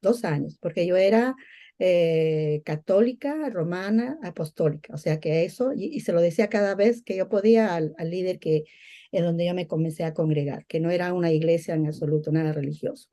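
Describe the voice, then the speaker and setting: A woman's voice: lowish voice, fairly quick, mellow. A middle-aged woman from Peru giving a personal religious testimony conversationally, often repeating herself as she searches for words.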